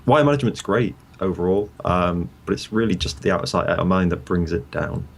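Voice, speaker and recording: Man, very low voice, gravelly, fast talker, blunt casual co-host. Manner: blunt, quick opinions. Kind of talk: casual chat reviewing setups.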